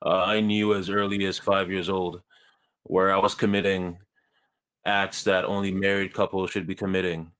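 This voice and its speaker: Deep-voiced man telling his story earnestly. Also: little pitch movement, fairly bright tone. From Ghana. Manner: measured and earnest, with light self-deprecating humor. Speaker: guest.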